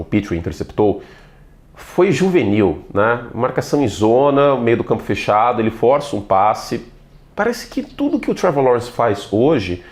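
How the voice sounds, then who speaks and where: A middle-aged man from São Paulo, his accent mostly neutralized, talks through football analysis on his own channel. His voice sits low, and he delivers it in a lively, playful, chatty way, slipping in asides as he goes. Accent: neutralized São Paulo Portuguese. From São Paulo, Brazil. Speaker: NFL analyst and channel host. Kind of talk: solo football commentary video.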